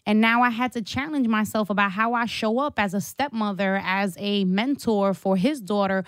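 A woman's voice: medium pitch, normal speed, no room sound. A young adult woman speaking as an activist guest in a casual interview, passionate and emphatic, with slang and swearing.

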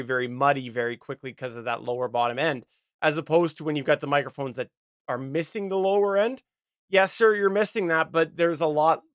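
A man's voice: medium pitch, fairly bright tone, clean tone, no echo, studio quality. A man co-hosting a podcast, chatting casually and explaining things in a rambling way. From Canada. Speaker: podcast co-host. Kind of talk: casual chat about audio gear.

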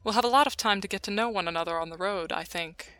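A man voicing a small, cheerful woman samurai who teases and probes gently. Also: high-pitched, quick pace, clean tone, pitched above the performer's own voice. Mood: teasing. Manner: playful, gently probing.

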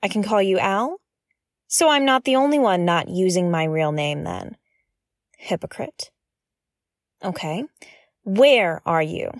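A woman's voice: on the low side, animated, measured pace, long pauses, no echo, clean studio sound. A woman playing a blunt, suspicious space explorer in a science-fiction audio drama, with an exasperated, sarcastic and emphatic delivery.

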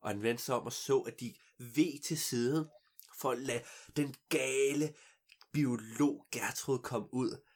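An improvising storyteller who tells the tale in an animated, playful way and laughs at the jokes. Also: medium pitch.

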